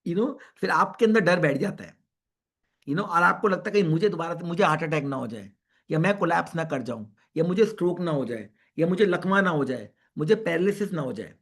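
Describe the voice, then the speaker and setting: Husky man lecturing earnestly. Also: on the high side. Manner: earnest, repetitive, mixes English into Hindi. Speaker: psychiatrist speaker. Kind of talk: online lecture. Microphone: video call.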